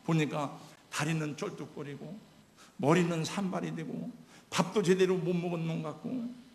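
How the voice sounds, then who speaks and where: A male pastor delivering an emotional, exhorting sermon. His voice sits high for a man and is gravelly. It echoes through a roomy church sanctuary. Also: moderate pace.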